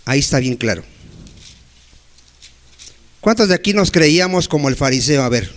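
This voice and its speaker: A male pastor preaching a sermon to his church, firing rhetorical questions at the congregation and acting out pleading prayers in a slow, low voice. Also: lively intonation. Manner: acts out pleading prayers, dropping low and slowing down.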